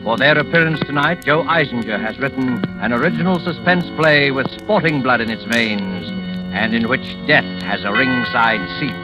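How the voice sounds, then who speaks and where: A man announcing a 1940s radio drama in a measured, dramatic way. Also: medium pitch. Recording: dull 1940s radio broadcast with music.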